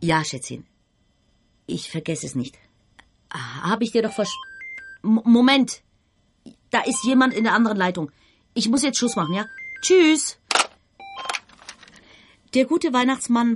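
An actress playing the bossy female head of a Santa-hire agency, brisk and commanding. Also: mid-range voice, lively intonation, a little hiss or hum, lightly acted. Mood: sugary.

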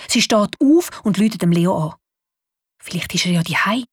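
Swiss German woman narrator, lively storyteller, breathy and dry-sounding, faint music behind. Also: medium pitch, moderate pace, no room sound.

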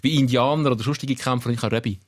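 A man's voice: medium pitch, racing, dry recording, studio quality. A man with a Swiss German accent hosting a casual podcast, asking questions and sharing anecdotes. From Switzerland. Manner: relaxed, asks questions and tells anecdotes. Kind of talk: casual chat.

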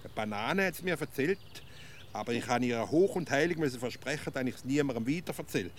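A man as a hair-splitting comic figure, Swiss accent, lively swooping pitch, children's radio play. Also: brisk, a little hiss or hum, lightly acted. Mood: quibbling. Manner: argumentative, splitting hairs, playfully provocative. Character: stubborn, pedantic, nitpicking grown man.

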